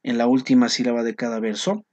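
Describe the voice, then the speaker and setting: A man's voice: mid-range voice, flat delivery, fast, darkish tone. A male teacher explaining poetry to his class, often checking in with short tag questions. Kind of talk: recorded class lesson on poetry.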